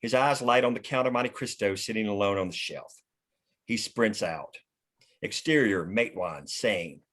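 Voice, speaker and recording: A man's voice: lowish voice, normal speed, a bit bright. Man narrating at a table read. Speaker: writer-host reading stage directions at a script table read. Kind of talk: script narration and casual discussion.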